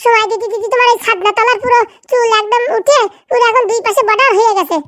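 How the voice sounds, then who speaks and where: A bossy village housewife for a comedy cartoon, in an extremely high, squeaky voice. She scolds at a furious speed, sarcastic and scornful, and the sound is close and dry. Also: steady tone, a bit bright, no echo. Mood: scolding, sarcastic. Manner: scolding, sarcastic, rapid-fire complaining.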